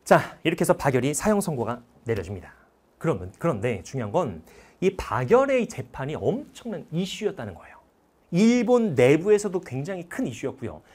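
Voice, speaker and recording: A male history teacher giving a lively lecture that retells a film, a dramatic storyteller who quizzes his listeners with questions. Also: a little high, a little fast, slightly rough.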